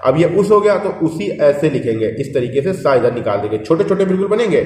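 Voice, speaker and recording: A man's voice: on the high side, very animated, fast, a little mellow. Man teaching a shorthand class, step-by-step explanations, frequent comprehension checks, long hall reverb. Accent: Hindi. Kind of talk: classroom instruction. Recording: echoey room, voice from far off.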